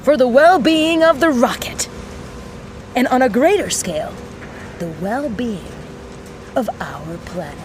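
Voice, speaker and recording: Young female tinkerer, playful schemer, high voice, halting theatrical monologues, noisy backdrop. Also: animated. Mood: mock-grave, pleading. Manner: theatrical, halting, rambling speechmaker. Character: excitable young tinkerer mechanic fond of explosions, scheming and playful. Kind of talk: audio drama monologue addressed to aliens.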